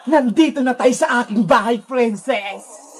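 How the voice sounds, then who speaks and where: A woman voicing a creepy female ghost who lives inside a TV, speaking in a slow, gloating, low drawl. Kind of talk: Tagalog cartoon voice acting.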